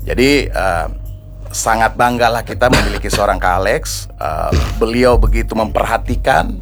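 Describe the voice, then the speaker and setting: A man's voice: fairly low pitch, moderate pace, music in the background. A man speaking as an interview guest, proud and full of praise, with hesitant fillers between phrases. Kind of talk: interview answers.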